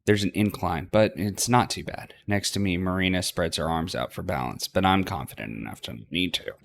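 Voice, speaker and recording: A man narrating a story game aloud as a let's play host, expressive in his reading. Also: low-pitched, normal speed, vocal fry, a little hiss or hum.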